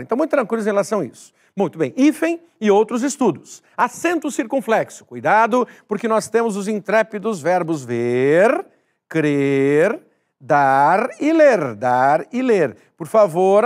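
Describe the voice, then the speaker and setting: In a high-sitting voice, a man teaches a recorded grammar lesson for exam prep, speaking emphatically, repeating key words and addressing the viewer directly.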